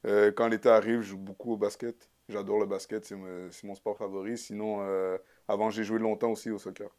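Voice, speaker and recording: A man's voice: fairly low pitch, level tone, fairly quick, a little mellow. A young man from Canada, a guest musician, answering interview questions in an easygoing, casual way. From Sherbrooke, Canada. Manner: easygoing, laughs lightly.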